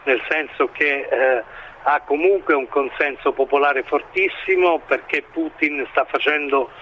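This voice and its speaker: A man with a slightly high voice answers as an expert commentator in an interview. He speaks haltingly, piecing together his analysis. The recording is a little dull, with faint noise behind him. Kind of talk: interview analysis of current affairs.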